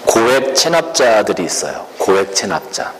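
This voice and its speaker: Guy preaching in a church, slow and earnest, lots of questions to the crowd, echoey hall. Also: lowish voice, big pitch swings. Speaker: pastor. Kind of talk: sermon. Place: church sanctuary. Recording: reverberant church hall with faint room noise.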